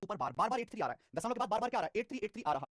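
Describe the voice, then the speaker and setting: A man's voice: high voice, no echo, studio quality. A young man teaching a live online math class, repeating numbers over and over and scolding students with life advice. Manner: fast, lively, repeats digits and phrases.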